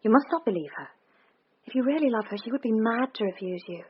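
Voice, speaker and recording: An actress playing a lively, teasing young Victorian woman in a radio drama who talks in an eager, coaxing way. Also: on the high side, quick pace, husky. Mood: pleading. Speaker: actor. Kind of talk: period radio drama acting. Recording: dull, slightly muffled broadcast audio.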